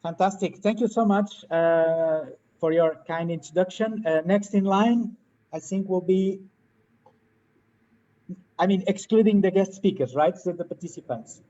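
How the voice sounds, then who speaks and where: A man's voice: high voice, a little slow, dark tone. A man hosting a workshop on a video call, polite and hesitant, with many fillers. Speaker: workshop host. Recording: dull lo-fi call audio with faint hiss.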